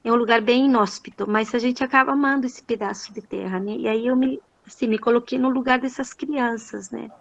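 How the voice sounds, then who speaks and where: Older Chilean woman, reflective, high voice. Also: fairly even intonation, a little fast, creaky, hardly any pauses, no room sound, muffled recording. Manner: reflective, says "né" constantly. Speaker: audience participant. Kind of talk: casual chat. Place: home.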